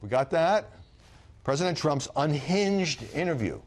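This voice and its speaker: An American man hosting a cable news interview, brisk and opinionated, often interjecting. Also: fairly high pitch, animated. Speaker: news show host.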